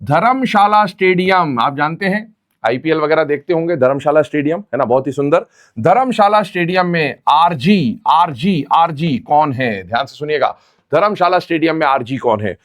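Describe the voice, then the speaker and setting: A man teaching chemistry in a classroom-style lecture, repeating memory tricks slowly and calling his students "beta". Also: a little high, lively intonation.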